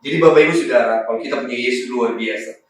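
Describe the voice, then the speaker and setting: A man from Maluku with a raspy voice, preaching fervently to a congregation. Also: mid-range voice, fast. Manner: fervent preaching with frequent congregation address and hallelujahs. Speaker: pastor. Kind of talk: sermon. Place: church hall. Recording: echoey church hall from far off.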